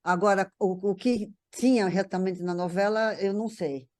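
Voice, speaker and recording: A woman's voice: medium pitch, steady tone, normal speed, a little mellow. A Brazilian woman speaking casually as a panel guest, recalling a writer's work and often repeating words as she searches for phrasing. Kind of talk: casual conversational recollection.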